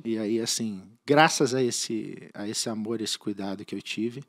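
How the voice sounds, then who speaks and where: A man's voice: lowish voice, unhurried. A man with a Brazilian Portuguese accent, a church member and podcast guest, telling his faith testimony in an earnest, heartfelt way, often restarting his sentences. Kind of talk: personal faith testimony in conversation.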